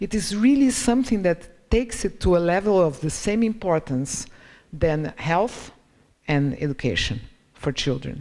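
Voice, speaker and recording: Dark and mellow in tone, a woman's fairly low voice makes very wide pitch swings at a moderate pace. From Brazil. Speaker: artist and theatre for young audiences board member. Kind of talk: panel discussion. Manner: halting, with frequent restarts.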